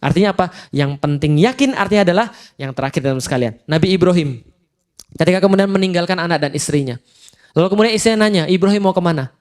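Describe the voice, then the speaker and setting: Male preacher, high voice, lively storyteller who acts out scenes for a casual lecture crowd. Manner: animated storytelling, acts out dialogue with jokes; quotes Quran verses slowly.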